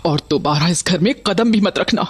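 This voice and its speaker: A woman's voice: on the low side, lively intonation, normal speed, slight background noise, lightly acted. An actress playing a bitter mother who harshly orders her son out of the house, in an audio drama. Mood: furious. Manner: harsh, scolding.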